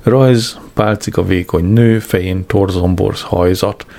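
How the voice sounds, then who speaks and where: Casting: deep, gravelly man, deadpan audiobook narrator. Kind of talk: scripted narration of a comic diary.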